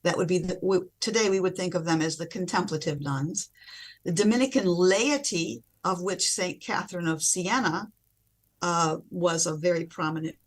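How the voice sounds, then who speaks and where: Measured woman religious sister explaining. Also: lowish voice. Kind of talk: explanatory interview answers.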